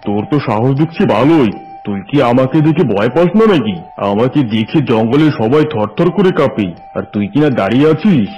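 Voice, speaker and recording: A man plays a proud male tiger, king of the forest, in a children's cartoon. His pitch is medium for a man. The sound is slightly dull, over faint music. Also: animated, a little fast, a little mellow, lightly acted. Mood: menacing, boastful.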